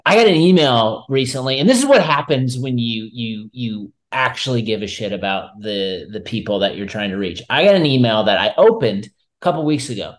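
A man's voice: mid-range voice, expressive, fairly quick, few pauses. A man hosting a marketing podcast, talking casually and emphatically in informal, slightly salty language. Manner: informal, emphatic, mildly profane. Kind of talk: casual conversational anecdote and commentary.

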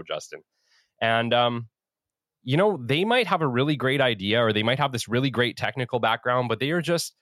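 A man hosting a business podcast, chatting in a relaxed, encouraging way with his guest. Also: mid-range voice, no room sound, clean studio sound. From Western Canada. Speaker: podcast host. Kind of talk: casual interview chat.

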